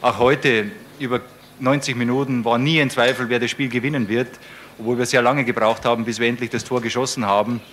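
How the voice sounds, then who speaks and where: Even-toned man in noisy sports clip. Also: medium pitch, a little fast. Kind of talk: unscripted sports interview. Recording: archive clip with faint background noise.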